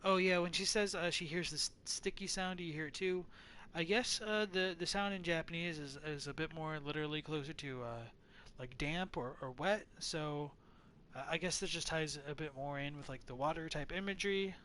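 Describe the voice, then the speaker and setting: Male let's-play host, lore commentary, somewhat high and bright, halting and reflective. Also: slight background noise. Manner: thoughtful, hesitant, full of restarts.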